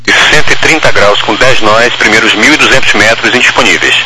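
A Brazilian man working as a tower controller, issuing clipped procedural clearances over the radio. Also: medium pitch, fairly quick. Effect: radio transmission. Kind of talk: air traffic control radio communication. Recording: very noisy aviation radio.

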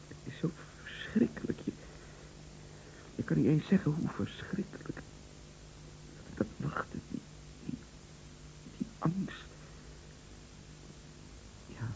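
Shaken, stammering man, dark gravelly voice. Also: on the high side, sing-song, slow, pauses often, heavily acted. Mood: distressed, grateful. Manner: hesitant, repeating words. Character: shaken, earnest male friend, polite and stammering. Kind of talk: Dutch radio play acting. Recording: dull, noisy old radio recording.

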